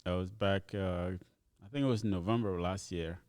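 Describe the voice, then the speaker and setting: A man's voice: sits low, moderate pace, darkish tone, smooth, no room sound, studio quality. A young man from Ethiopia, chatting easily as a comedian guest on a podcast and laughing often. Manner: easygoing storyteller, laughs often. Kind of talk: casual podcast chat.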